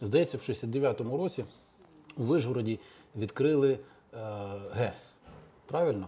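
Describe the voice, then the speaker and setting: A man's somewhat breathy, dark, mellow voice sits at medium pitch with ordinary pitch variation, moving at a moderate pace broken by long, frequent pauses. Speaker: oral history interviewer. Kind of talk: interview questions.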